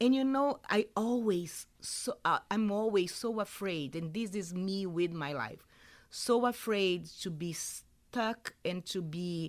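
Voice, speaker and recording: Very slowly and with lively intonation, a woman with a strong Brazilian accent speaks at a medium pitch in a very clean recording with a silent background. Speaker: small business owner. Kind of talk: interview conversation.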